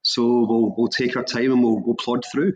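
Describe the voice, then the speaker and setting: A man's voice: mid-range voice, flat delivery, normal speed, darkish tone, low-quality recording. A Scottish man, a hospitality business owner, chatting as a podcast guest in a friendly, jokey way. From Scotland. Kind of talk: casual interview chat.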